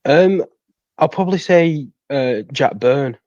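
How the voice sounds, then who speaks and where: A man's voice: a little high, takes it slowly, darkish tone, no room sound. A man, chatting casually as a fan guest on a podcast. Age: 20s. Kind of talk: casual interview chat. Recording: dull, dry lo-fi microphone.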